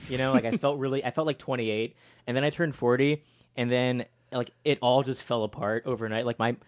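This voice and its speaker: A man's voice: mid-range voice, steady tone, brisk. A podcast host in his forties chatting casually, rambling and poking fun at himself. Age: 40s. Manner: chatty, rambling, self-mocking. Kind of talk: casual chat.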